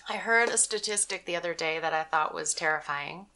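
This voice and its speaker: A woman hosting a Christian teaching show, reading scripture and then preaching and praying fervently, sometimes dropping to a hushed near-whisper for emphasis. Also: low voice, a little fast.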